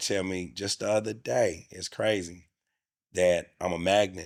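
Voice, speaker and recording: The recording is very clean with a silent background as a man speaks at a fairly low pitch with fairly even intonation. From Oklahoma, Atoka. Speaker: barber and businessman. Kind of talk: interview. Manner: casual.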